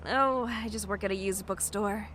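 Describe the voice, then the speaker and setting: A woman's voice: mid-range voice, normal speed, fairly bright tone, slight background noise, close to an everyday voice. An actress playing a friendly, easygoing young bookish woman in a naturalistic audio drama, speaking casually. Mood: friendly, polite. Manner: casual, conversational.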